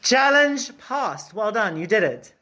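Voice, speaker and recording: A woman's voice: on the high side, big pitch swings, takes it slowly, sharp tone. A woman hosting a casual challenge segment, upbeat and cheerful, counting down for her crew. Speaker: host running the crew challenges.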